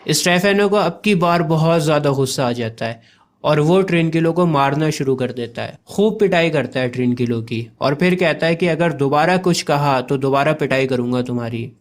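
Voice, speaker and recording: A man's voice: a little high, normal speed. A male literature teacher retelling a play scene in a conversational, explanatory way. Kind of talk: story explanation lesson.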